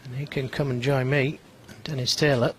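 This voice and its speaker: A male co-commentator offers sparse, conversational remarks on a snooker match. His pitch is average and he speaks in short, measured observations, with faint noise behind him. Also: little pitch movement.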